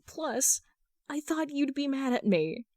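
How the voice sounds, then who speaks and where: A woman acts out a sheepish young man in an audio story. The voice is soft, unsure and cringing, recorded close with hardly any room sound. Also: high voice, very animated, takes it slowly, no room sound, voice pushed up, exaggerated voice.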